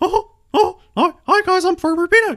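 A squeaky put-on character voice at an extremely high pitch. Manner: cartoonish, cheery.

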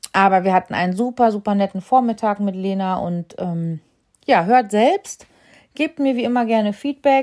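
Her pitch is medium, with ordinary variation. The woman speaks at a moderate pace. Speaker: podcast host. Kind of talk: casual interview chat.

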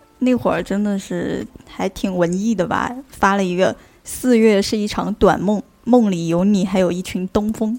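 Here a woman speaks in a plain, everyday voice at medium pitch. Her pace is moderate and her intonation fairly even. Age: 20s. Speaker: first-time podcast guest. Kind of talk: casual chat.

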